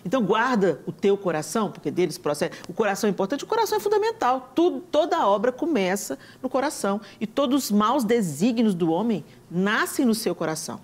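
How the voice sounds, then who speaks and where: On a talk show, a Brazilian woman preaches conversationally, earnestly quoting scripture while telling animated stories. She has a Brazilian Portuguese accent and a medium-pitched voice. She speaks fairly quickly and barely pauses.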